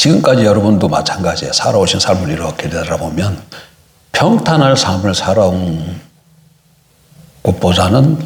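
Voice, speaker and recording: Audible room echo surrounds a man with a very deep, low pitch. He talks at a moderate pace with very wide pitch swings. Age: 60s. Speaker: pastor. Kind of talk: sermon.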